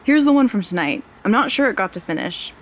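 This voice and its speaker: A woman's voice: mid-range voice, sing-song, quick pace, natural voice. An actor playing an earnest, wry young woman fresh out of journalism school who is investigating a mystery, in a naturalistic audio drama. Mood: reflective. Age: young adult.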